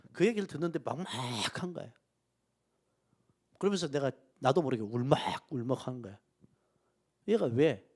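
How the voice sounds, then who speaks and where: A middle-aged man preaching a sermon in a church, telling a personal story and swinging between soft, hushed asides and loud, emphatic peaks. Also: medium pitch. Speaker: pastor. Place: church sanctuary.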